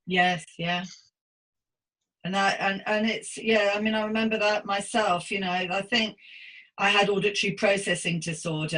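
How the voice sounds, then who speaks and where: A woman's voice: lowish voice, a bit bright, low-quality recording. A middle-aged British woman hosting a conversational interview, chatty and empathetic as she asks questions. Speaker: podcast host and interviewer.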